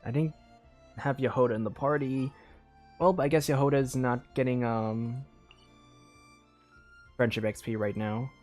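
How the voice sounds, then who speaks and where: A tired man doing casual live gameplay commentary, thinking aloud in a low-key, meandering way. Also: steady tone, a little slow, pauses often, darkish tone, faint music behind. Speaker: game streamer.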